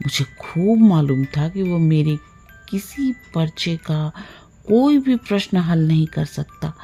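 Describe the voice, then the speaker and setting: A woman narrating a literary short story in a measured, expressive storytelling manner, drawing out her phrases. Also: deep voice, soft background music. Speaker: audiobook narrator.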